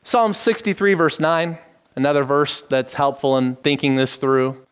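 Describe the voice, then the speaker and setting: A middle-aged man preaching, teaching in a measured tone and lifting his voice to stress key phrases. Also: on the high side, smooth. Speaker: pastor. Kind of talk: expository sermon.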